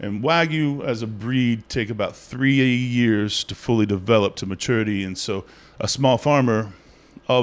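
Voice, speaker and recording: A man with an American accent speaks at a moderate pace. His voice is an unremarkable speaking voice, medium in pitch with ordinary pitch variation. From Tulsa, Oklahoma. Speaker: chef and restaurateur. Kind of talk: casual interview chat.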